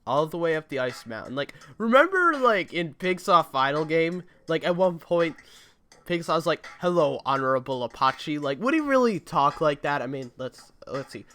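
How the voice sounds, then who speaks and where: A man's voice: on the high side, very animated, normal speed, bright, forceful tone. A young man casually commenting while playing a game, rambling and chatty. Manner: rambling and chatty, reads game dialogue aloud. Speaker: let's play gamer.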